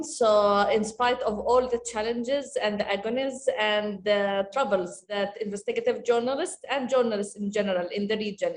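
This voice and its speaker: A woman, answering as a panelist in an earnest, measured way with frequent pauses and fillers. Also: medium pitch. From Jordan. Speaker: panelist, media organization director. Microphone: video call. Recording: echoey room over a video call.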